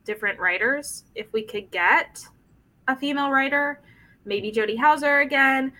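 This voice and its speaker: Over poor audio, a woman with a high, pushed, bright voice talks at a moderate pace as co-host of a casual live-streamed comics podcast. Tired and emotionally drained, she's candid and frank, often trailing off.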